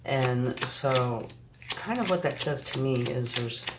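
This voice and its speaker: In a rumbling low voice at a slow pace, a woman reads tarot for the viewer, speaking to them directly and reassuringly. She's sniffly from a recent flu, often says "okay" and "right," and sounds echoey with a little background noise.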